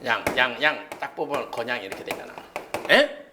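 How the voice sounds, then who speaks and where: A male cram-school lecturer drills his class on exam material, his voice leaping up and down as he fires off questions and punchy checks. He drives the lesson with playful memory tricks. Faint hiss and the odd click sit under the lecture. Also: mid-range voice. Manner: animated, keeps asking the class quick questions. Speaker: history lecturer.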